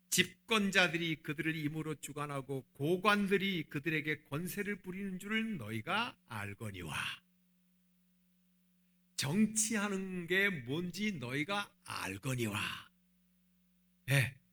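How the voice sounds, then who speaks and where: A man's voice: a little high, big pitch swings, a little slow, sharp tone. A man, the senior pastor, preaching a sermon and asking the congregation rhetorical questions.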